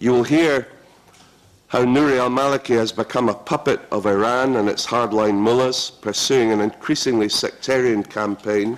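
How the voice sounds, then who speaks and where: A man speaks in a normal speaking voice. His pace is moderate and his pitch variation ordinary. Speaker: politician. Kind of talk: conference speech. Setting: conference hall.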